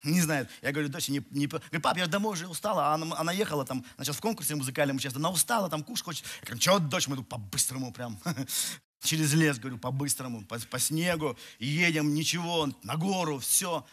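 A pastor in his forties preaches to a church hall crowd through a headset mic, his slightly high voice quick and fairly bright. He walks the stage and gestures while telling a self-mocking personal story full of restarts, a humorous moment within his sermon.

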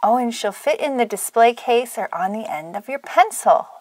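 Animated high-voiced woman hosting toy unboxing. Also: moderate pace, no echo. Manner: gushing, exclamatory, sing-song. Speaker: toy unboxing video host. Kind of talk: playful toy unboxing narration for children.

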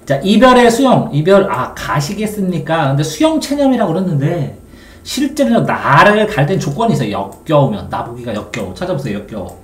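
A man's voice: sits high, big pitch swings, moderate pace, roomy sound. A man tutoring middle-school students on a poem. He explains step by step and keeps checking whether they understand. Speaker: Korean literature tutor. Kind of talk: exam-prep lecture.

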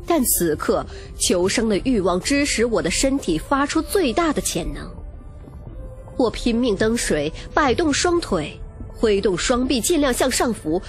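A woman's voice: a little high, sing-song, measured pace. A woman reading a romance novel as dramatic, scripted first-person narration. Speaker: audiobook narrator. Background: music.

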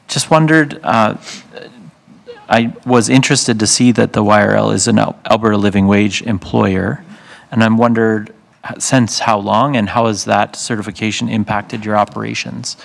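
A man, a city councillor, asking polite, measured questions in a council chamber. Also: lowish voice, gravelly.

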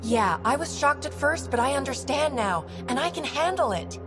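A woman's voice: high voice, expressive, moderate pace, music in the background. A woman voicing an eager, defiant young alien little sister in a video game, earnest and defensive. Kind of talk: dramatic video game acting.

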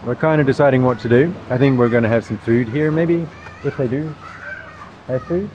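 A rambling, easygoing man in his thirties talks to a handheld camera held at arm's length. The sound is a little muffled and dull. Loud rain and traffic noise fill the background. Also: mid-range voice, a little fast. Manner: rambling, chatty, filler-heavy. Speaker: travel vlogger. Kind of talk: casual vlog narration to camera. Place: on a bus, then an open-air roadside eatery in rain.

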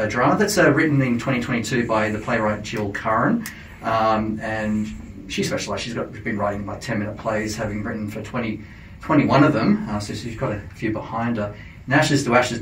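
An Australian man from a theatre company, promoting plays as a studio guest on a radio show, talks eagerly with frequent fillers. His voice is lowish and fairly bright, with a little hiss or hum, and the audio sounds roomy and distant, like camera sound.

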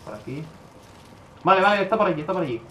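A man from giving casual commentary over his own gameplay, swearing a lot and breaking into loud outbursts. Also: sits high, quick pace, reverberant, slight background noise, rough recording. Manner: swears often, bursts into excited outbursts.

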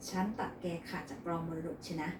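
A woman's voice: fairly quick, background noise, natural voice. A woman voicing a stern, bossy wealthy matriarch in a read-aloud novel, recorded in an echoey room from a distance. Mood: hushed. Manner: scolding, bossy.

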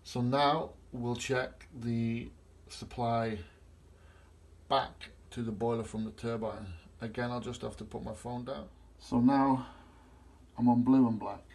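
Step by step, a middle-aged gas engineer plainly demonstrates a boiler test while filming on his phone in a small workshop. His voice is mid-range and a little mellow.

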